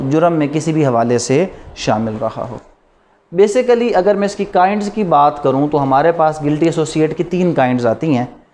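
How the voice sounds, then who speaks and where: Pakistani guy teaching law, slowish delivery, voice a bit high, keeps asking questions then answering them. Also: darkish tone. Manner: didactic, repeats points and asks rhetorical questions. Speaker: law lecturer. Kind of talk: classroom lecture mixing Urdu with English legal terms.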